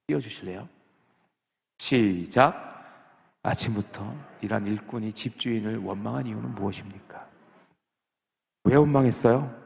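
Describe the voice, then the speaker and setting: A man's voice: medium pitch, gravelly. A man preaching a sermon as a pastor, questioning the congregation and acting out people's complaints. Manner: animated, asks the congregation questions, acts out complaints. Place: church sanctuary. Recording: long reverb of a church hall.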